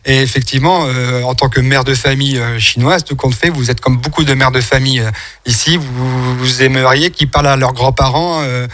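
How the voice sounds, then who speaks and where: A man's voice: medium pitch, fairly even intonation, fairly quick, a bit bright. A man from France hosting a local radio interview in a chatty, wordy way, rambling and repeating words as he goes. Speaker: radio host.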